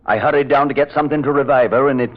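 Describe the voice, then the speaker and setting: An actor playing a desperate, defiant lover and suspect in a melodramatic old-time radio drama style. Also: male voice, medium pitch, fairly even intonation, racing, natural voice. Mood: grim, defiant. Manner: intense, melodramatic. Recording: muffled vintage radio recording.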